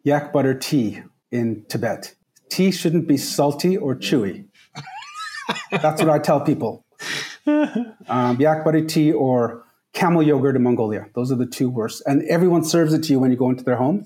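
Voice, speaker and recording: A man's voice: medium pitch, animated, moderate pace, dark tone. A man from Trinidad, a guest on a podcast, answering questions in an earnest, emphatic way and repeating key phrases. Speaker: guest, travel company founder.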